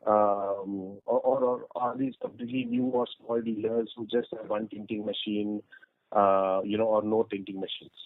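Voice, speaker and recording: A man with an Indian accent asking questions as an analyst on a conference call, polite and somewhat halting. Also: fairly low pitch, expressive, vocal fry. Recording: dry, tinny phone line.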